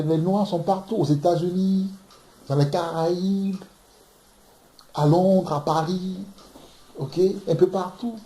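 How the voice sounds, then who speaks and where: A man's voice: high-pitched, mellow. Emphatic Ivorian man preaching in echoey room. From Ivory Coast. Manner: emphatic, repeats words while searching for them. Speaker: preacher teaching scripture. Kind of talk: impassioned bible teaching. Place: room in London.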